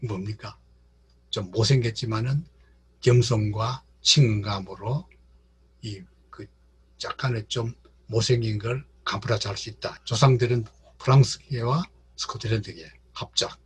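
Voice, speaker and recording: A man's voice: on the low side, measured pace, slightly rough. A man lecturing on literature to a class, repeating words and speaking straight to his listeners. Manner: repeats words and addresses the audience directly.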